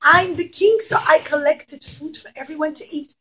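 A woman voicing an emotional young male ruler in a children's puppet story, earnest and drawn-out. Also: high-pitched, bright, forceful tone, a little hiss or hum. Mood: earnest, reassuring. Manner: slow, earnest, drawn-out pleading.

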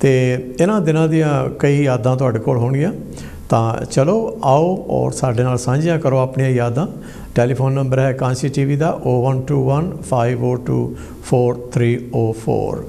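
Gravelly, mellow-voiced male host. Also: medium pitch. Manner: unhurried, reminiscing, with frequent hesitations. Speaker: host of a phone-in memories show. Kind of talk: casual broadcast chat. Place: TV studio.

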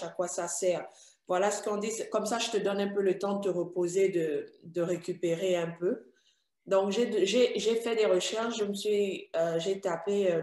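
Woman host, lowish mellow voice, gentle and hesitant, roomy sound. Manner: soft, comforting, hesitant with fillers. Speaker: Christian interviewer. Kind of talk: gentle interview. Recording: roomy echo.

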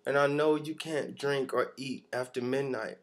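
A young man vlogs from his living room in a groggy, rambling way. He has a medium-pitched voice and gropes for words, with a theatrical, comic way of complaining. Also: steady tone, moderate pace. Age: 20s. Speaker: vlogger. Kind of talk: casual, dramatic comedic rant to camera. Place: living room at home, indoors. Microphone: webcam at arm's length.

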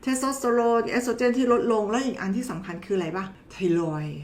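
Woman doctor, casual health-explainer host, mid-pitched, familiar and teasing with viewers, echoey room. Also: expressive, fast, slight background noise. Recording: roomy echo.

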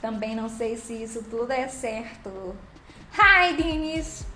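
Woman, high voice, affectionate live-stream host, roomy echo. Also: steady tone, moderate pace, a little mellow. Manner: chatty and affectionate, calls viewers by name and pet names. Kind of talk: casual live-stream chat greeting viewers. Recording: roomy echo with faint background music.

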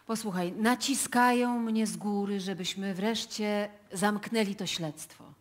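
An actress playing a pragmatic, pressured female police chief in a radio drama, firm and measured. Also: mid-range voice, fairly even intonation, natural voice. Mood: firm, weary. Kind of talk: live radio drama acting.

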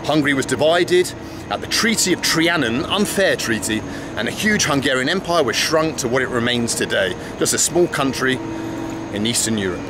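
A man in his thirties talks into a camera held at arm's length, with a chatty, wry way of narrating his trip. His pitch sits right in the middle of the male range. Clear station and train noise hums behind him. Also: lively intonation, moderate pace. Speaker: travel vlogger. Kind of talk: casual travel vlog to camera. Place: big train station hall and train carriage. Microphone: handheld camera at arm's length. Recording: noisy station and train ambience.

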